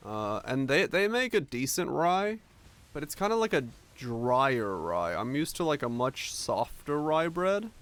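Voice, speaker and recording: A man's voice: medium pitch, big pitch swings, a little slow, fairly bright tone. Casting: young man from Finland with an American accent, streamer, loose, rambling, cursing casually. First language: Finnish. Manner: rambling, loose and profane, with many restarts. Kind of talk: casual chat with stream viewers.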